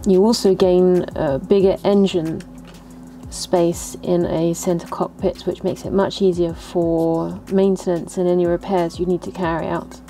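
A young adult woman calmly explaining boat layouts in a measured voice-over, with some fillers. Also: on the low side.

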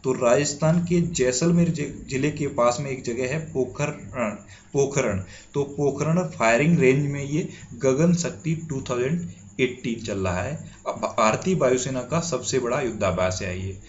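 A man's voice: medium pitch, measured pace, highs cut off, slight background noise. Man explaining exam quiz answers. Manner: repeats key answers, asks and answers his own questions. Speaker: current affairs exam tutor. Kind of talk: spoken quiz lesson.

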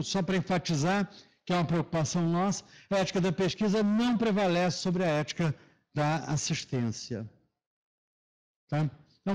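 A male lecturer speaks in a somewhat high voice with a Carioca accent from Rio de Janeiro. His s sounds come out as a hushing sh. He delivers a semi-formal academic talk, explaining points from slides. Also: poor audio. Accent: Carioca (Rio de Janeiro) Brazilian Portuguese. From Rio de Janeiro, Brazil. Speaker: lecturer, professor. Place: lecture auditorium.

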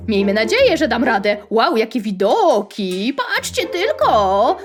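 A woman's voice: fairly high pitch, very animated, unhurried. A young woman hosting a playful gaming let's-play, bubbly and sing-song, rhyming and squealing at mishaps, with game music underneath. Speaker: gaming channel host.

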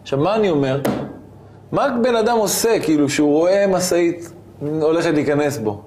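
Speaking in a somewhat high voice, an interview guest shares a personal story. He's animated throughout, acting out the moments as he recounts them.

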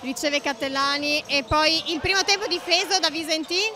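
A woman's voice: sits high, fairly even intonation, normal speed, music in the background. A woman giving live play-by-play commentary on a volleyball match.

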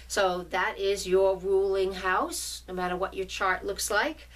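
A woman's voice: medium pitch, a little slow. Chatty New England woman astrologer. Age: middle-aged. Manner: chatty, checks in with listeners. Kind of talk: casual forecast video. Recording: voice a bit distant from mic.

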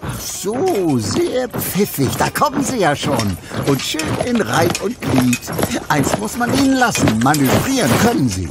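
High-voiced, clever little Gaulish hero. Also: male voice, wildly swooping pitch, over loud music, exaggerated voice. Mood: brisk. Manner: brisk, wry, commanding. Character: small, clever, bossy Gaulish warrior hero. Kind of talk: comic cartoon radio play acting.

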